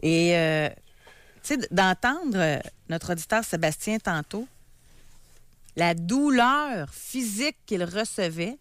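Lowish-voiced Quebec woman hosting radio. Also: lively intonation, slow pace, no room sound. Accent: Quebec French. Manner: conversational, thanks callers and links segments. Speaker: radio talk show host. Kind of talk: radio talk show hosting.

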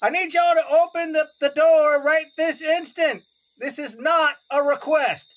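A man playing a stern, awkward authority figure in an audio drama, halting and folksy, sounding dull and distant. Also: extremely high pitch, steady tone. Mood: stern, calling out.

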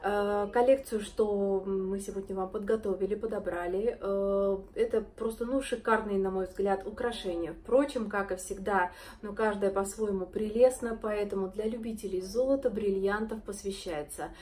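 A woman in her thirties, hoarse from a cold, chattily presenting jewelry to camera in a shop. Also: medium pitch, fairly even intonation, normal speed, hardly any pauses, darkish tone. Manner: admiring, chatty, addresses viewers as girls and friends. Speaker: jewelry seller presenting a collection. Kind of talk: casual sales presentation to camera. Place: jewelry shop with display cases, indoors. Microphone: phone or camera close up, front-facing.

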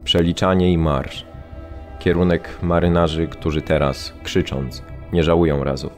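A man's voice: sits low, little pitch movement, measured pace, a little mellow, faint music behind. A man acting a camp prisoner in a radio drama, recounting events in a terse, solemn way. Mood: sombre. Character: male camp prisoner, stark, sombre witness. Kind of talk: scripted radio drama narration.

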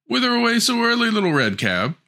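A man's voice: very high-pitched, wildly swooping pitch, brisk, pushed and bright, pitched above the performer's own voice, heavily acted. Man doing a sneaky wolf, all sweet talk, voice swoops up and down. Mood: sly. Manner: smooth, coaxing, crafty. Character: cunning, sly male wolf.

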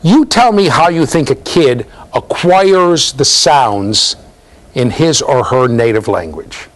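A man's voice: mid-range voice, slow pace. A middle-aged man giving an interactive university lecture, quizzing his students as he talks. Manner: questioning students, lively, gestures while talking. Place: office with bookshelves, linked to a classroom.

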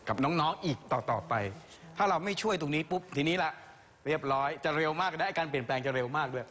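A man's voice: fairly high pitch, lively intonation, fast, fairly bright tone. A man giving chatty, teasing feedback to young singers as their vocal coach, now and then mimicking how they sing. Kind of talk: casual critique talk. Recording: dull audio in a long-reverb hall.

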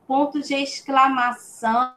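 Brazilian lady teacher, patient, keeps going "né?", slightly high voice. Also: level tone, measured pace, a bit bright, slight background noise, rough recording. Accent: Brazilian Portuguese. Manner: patient, checks in with frequent tag questions. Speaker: schoolteacher. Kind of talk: online class lecture.

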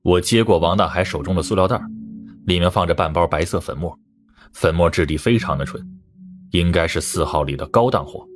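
A man's voice: deep voice, a little fast. A man reading a first-person crime novel as scripted narration. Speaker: audiobook narrator. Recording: music under the voice. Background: background music.

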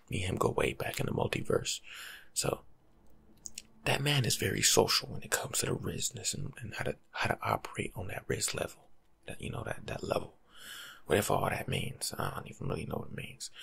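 A young American man giving rambling, slangy ASMR life advice in a hushed, breathy voice, playful and animated, close to the mic in a room at home. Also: lowish voice. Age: young adult. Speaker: ASMR video creator. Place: small indoor room at home.

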